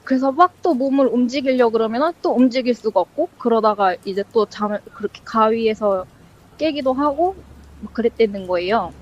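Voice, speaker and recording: A woman's voice: fairly high pitch, fairly quick. A woman casually telling a ghost story as a guest, rambling and full of fillers, acting out the lines she quotes. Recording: dull lo-fi sound.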